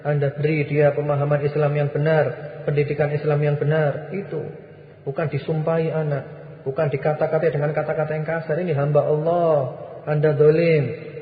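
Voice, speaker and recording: A man's voice: fairly high pitch, little pitch movement, normal speed. A male Islamic preacher answering listeners' questions in a firm, exhorting, repetitive manner. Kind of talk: sermon Q&A. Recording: echoey hall, muffled lo-fi recording.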